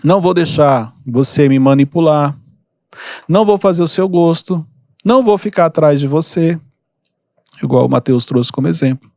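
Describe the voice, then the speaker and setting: A calm man hosting a podcast, giving relaxed advice with lots of everyday examples. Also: a little high, no echo, clean studio sound. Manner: calm, unhurried, gives examples. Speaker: podcast host and mentor. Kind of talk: casual advice talk.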